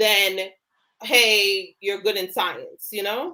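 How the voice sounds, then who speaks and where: A woman with an American accent speaks at a fairly slow pace, her tone bright and sharp and her pitch medium. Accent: Caribbean accent slips out at times. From New York, Long Island, Caribbean family. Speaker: school social worker. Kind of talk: podcast interview. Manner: long-winded.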